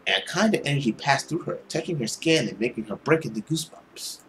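Young male gaming host, theatrical narrator of visual novel text, loud music underneath. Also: medium pitch, expressive, quick pace. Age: young adult. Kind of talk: dramatic read-aloud narration of a visual novel. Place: small room at home, indoors. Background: loud game music.

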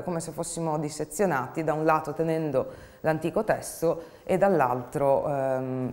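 A woman's voice: low-pitched, darkish tone. A woman in her thirties, a theatre artist, talking reflectively in an interview about her work. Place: dark indoor studio.

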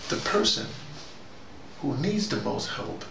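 A man in his fifties giving a rambling spoken talk to a small group, jumping between ideas and leaping up in pitch for emphasis. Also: very animated, takes it slowly, gravelly. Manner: digressive, with sudden rising emphasis. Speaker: commentator speaking to a small audience. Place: small room indoors. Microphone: far camera mic. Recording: roomy, distant, noisy.

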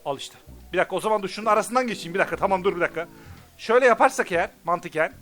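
A man giving let's play commentary, excitable and often frustrated and cursing. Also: high voice, racing. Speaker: gamer. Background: game music.

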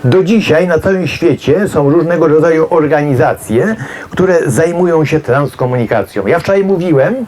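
Guy, medium talking to a crowd, highish voice, jokey, keeps going off on tangents and doing little voices. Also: normal speed, a little mellow. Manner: jokey, digressive, acts out quoted voices. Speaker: medium giving a talk. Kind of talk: chatty lecture to an audience.

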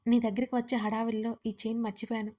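A woman voicing a devoted young man in an audio story, speaking softly and soothingly. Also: a little high, little pitch movement, quick pace, lightly acted. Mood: tender. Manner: soft, soothing, tender pleading.

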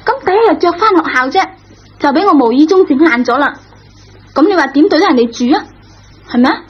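A woman's voice: high-pitched, lively intonation, quick pace. A woman playing a headstrong schoolgirl daughter in a radio drama, coaxing and insistent. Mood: persuading. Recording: dull lo-fi radio recording.

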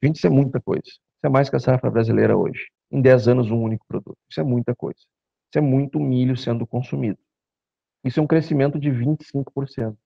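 A man in his thirties giving an animated conference lecture, speaking into a handheld mic in a meeting room. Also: medium pitch, fast, vocal fry, husky. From southern Brazil. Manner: animated, gestures while presenting slides, rhetorical asides. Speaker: chief economist giving a seminar talk. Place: meeting room with projector screen, indoors. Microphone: handheld mic, filmed by a far camera. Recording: dull lo-fi room recording.

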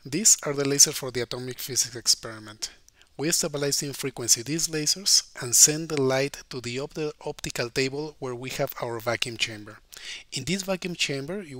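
A man giving a steady, scripted voice-over that explains lab equipment. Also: mid-range voice. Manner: steady, explanatory, read-aloud delivery. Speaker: lab director narrating a lab tour.

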